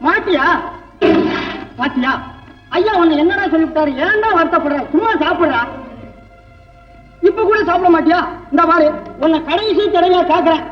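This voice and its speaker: An actor playing a loyal household servant in a 1960s film drama, folksy and cajoling. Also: male voice, very high-pitched. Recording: distant dull 1960s film soundtrack with music.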